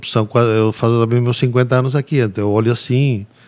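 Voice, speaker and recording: Here a man speaks with a Spanish accent at a fairly quick pace. His pitch sits in the medium range. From Spain. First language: Spanish (speaking Portuguese). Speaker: literature teacher, podcast guest. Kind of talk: casual interview. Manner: hesitant, with many fillers.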